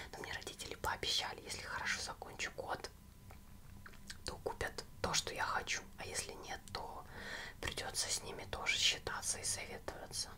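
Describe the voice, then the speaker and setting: A soft-spoken woman whispers at a moderate pace, with long, frequent pauses. Noticeable background noise runs underneath. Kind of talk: roleplay chat to viewer. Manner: soft intimate ASMR near-whisper. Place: home room. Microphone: phone near.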